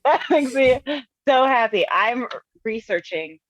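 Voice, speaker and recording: Woman comedian host, upbeat and laughing, slightly high voice, dry sound. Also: animated, no room sound, rough recording. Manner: enthusiastic, quick to laugh. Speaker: comedian interviewer. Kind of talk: casual interview chat.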